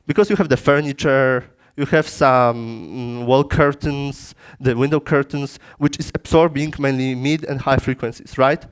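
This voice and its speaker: A man with a Polish accent giving a technical lecture in a conference room through a PA system, in halting English with frequent restarts. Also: medium pitch, fairly even intonation, smooth. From Poland. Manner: halting non-native phrasing with frequent restarts.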